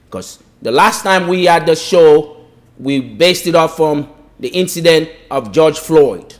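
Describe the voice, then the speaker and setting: A man hosting an interview podcast, welcoming guests formally and asking plain conversational questions. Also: on the high side. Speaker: podcast host.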